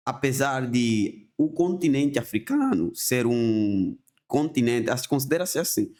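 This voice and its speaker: Angolan man, podcast guest; warm low tone, measured explanatory delivery. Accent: Angolan Portuguese. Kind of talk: conversational interview.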